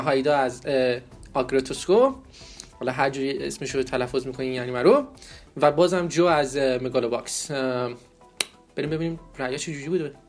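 A man co-hosting a podcast, announcing poll results in casual chat, joking and asking playful questions. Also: medium pitch. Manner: joking, laughs often, asks rhetorical questions. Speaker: podcast co-host.

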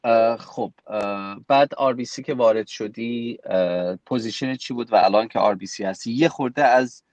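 A man with an Iranian accent speaks as an interviewer in a conversational style. His voice sits at an average pitch and the sound is dry. He affirms, recaps and then asks. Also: darkish tone, no room sound, muffled recording. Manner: affirming, recapping what the guest said. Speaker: interviewer, host.

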